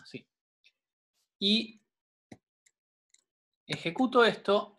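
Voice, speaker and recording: A man's voice: fairly high pitch, fairly bright tone. Patient man teaching a coding class. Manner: patient, explanatory, frequent check-ins with students. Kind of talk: online programming class.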